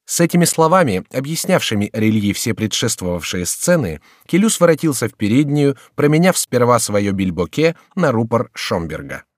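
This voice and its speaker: A male narrator reads a novel with lively, shifting pitch. The sound is close and dry, from a studio mic. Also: normal speed, hardly any pauses, no echo. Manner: expressive, animated reading. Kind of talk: audiobook reading.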